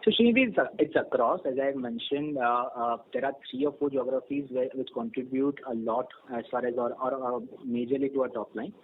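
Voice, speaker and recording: A man with an Indian accent answering questions as a company executive on an earnings call, in a measured, hesitant, formal manner. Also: mid-range voice, a little hiss or hum. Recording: narrow tinny conference phone line.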